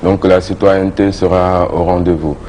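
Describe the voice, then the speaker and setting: A man's voice: sits low, flat delivery, dark tone, slight background noise. A young man from Senegal who leads a youth association, speaking earnestly as a guest on a morning TV show. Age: young adult. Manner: earnest, measured, with filler pauses. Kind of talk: casual morning-show talk.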